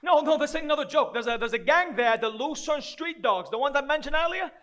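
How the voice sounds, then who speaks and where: A man's voice: very high-pitched, fairly quick, fairly bright tone. An actor playing a down-and-out grieving father, self-loathing and desperate, rambling in streetwise, profane dramatic monologue. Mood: nervous, pleading. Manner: rambling, profane, streetwise, talking to an unseen child.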